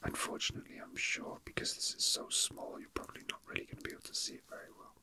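In a soft ASMR whisper right up against the mic, this toy unboxing host murmurs to themselves. They take their time, breathy and casual throughout.

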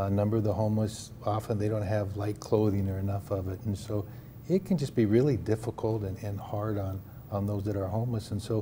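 An older man with a Midwestern American accent, a pastor, speaks earnestly into a lapel mic at a TV news desk. His voice sits low and sounds dark and mellow, with a faint hum under it. He often repeats a word while finding the next thought. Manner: earnest, repeats words as he restarts. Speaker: homeless mission pastor. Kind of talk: live TV studio interview.

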